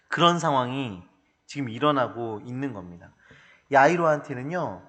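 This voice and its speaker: A male pastor preaching a sermon in an animated, humorous storytelling manner, recorded in a church hall. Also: a little high.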